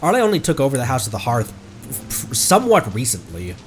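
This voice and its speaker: A man's voice: mid-range voice, wildly swooping pitch, quick pace, faint music behind. A man streaming a video game with casual, jokey live commentary. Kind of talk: casual live game commentary mixed with acted dialogue reading.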